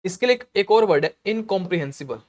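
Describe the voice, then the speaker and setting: Hindi-English exam teacher, clears throat often. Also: male voice, high-pitched, lively intonation, a little mellow. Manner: explains slowly, repeats words, frequent "theek hai" and "okay" checks. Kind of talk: vocabulary lesson in Hindi-English mix.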